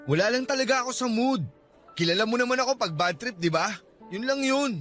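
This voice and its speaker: A man's voice: very high-pitched, animated, a little fast, fairly bright tone, faint music behind. A young man acting an irritable, defensive student boyfriend in a radio drama, exasperated, insistent and pleading. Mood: irritated.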